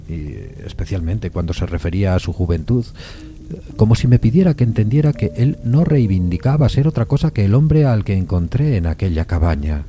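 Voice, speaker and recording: A man narrating a gothic suspense story from a script in a measured, solemn storytelling manner. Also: deep voice, dark tone.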